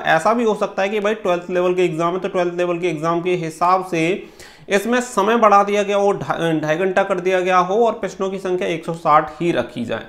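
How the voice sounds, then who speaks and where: A man's voice: sits high, fairly bright tone. A man, explaining things to camera in an instructional way, mixing in English words. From India. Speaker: exam-prep coach and channel host. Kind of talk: explanatory talk to camera for exam candidates. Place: small room indoors.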